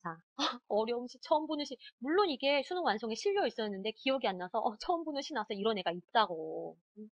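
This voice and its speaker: A woman teacher giving an online exam-prep lecture, quizzing and talking straight to her students. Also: fairly high pitch. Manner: animated, talks straight to students, quick quizzing asides.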